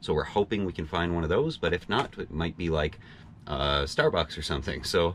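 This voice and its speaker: Light background noise accompanies a man who speaks at a fairly quick pace in a very deep, low pitch. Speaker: sailing vlogger. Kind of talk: casual vlog chat. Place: boat. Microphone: phone near.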